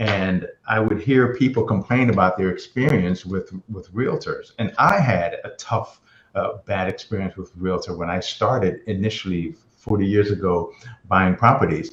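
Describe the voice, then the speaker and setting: A man's somewhat breathy voice at a fairly low pitch, with ordinary pitch variation and a moderate pace. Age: 60s. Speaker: real estate agent. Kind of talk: interview.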